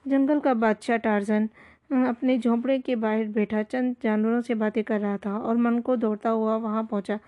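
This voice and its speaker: A woman storyteller giving a steady, even scripted storybook narration. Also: fairly high pitch. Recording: dull lo-fi recording.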